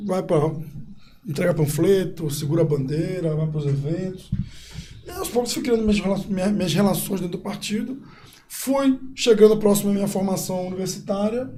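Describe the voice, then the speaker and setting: Set against noticeable background noise and audible room echo, a man with a high pitch and ordinary pitch variation speaks at a moderate pace. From Brazil, Rio de Janeiro. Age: 30s. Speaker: city councillor, politician. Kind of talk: interview.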